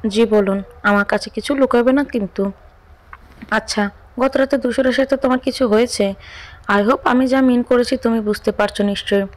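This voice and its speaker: A woman voicing a gentle, caring middle-aged mother-in-law who speaks softly and pleadingly. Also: fairly high pitch, fairly even intonation, normal speed, natural voice. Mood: concerned.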